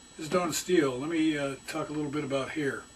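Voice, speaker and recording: A man speaks at a fairly high pitch with fairly even intonation. The room echo is audible, and the background noise is noticeable. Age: 60s. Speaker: author and therapist, anthropologist. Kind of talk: radio interview, then monologue.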